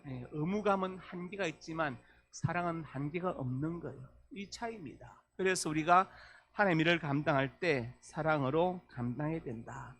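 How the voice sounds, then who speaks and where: A man's voice: a little high, fairly bright tone. A man preaching a Sunday sermon as pastor, telling a story and acting out the quoted lines with rising feeling. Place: church sanctuary.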